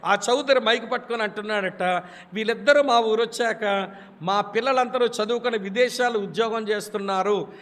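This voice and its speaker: A man's voice: high-pitched, brisk. A man preaching a sermon as a storyteller, acting out the voices in his tales and calling out to his listeners. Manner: animated storyteller, acts out quoted voices, addresses listeners directly. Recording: long hall reverb.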